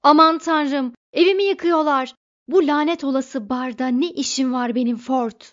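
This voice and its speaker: A flustered young Englishman who yells in a panic, his voice pitched up and pushed loud, as a woman reading an audiobook puts him on. The recording sounds dull and lo-fi. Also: slow. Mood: shouting, panicked. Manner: shouting in alarm.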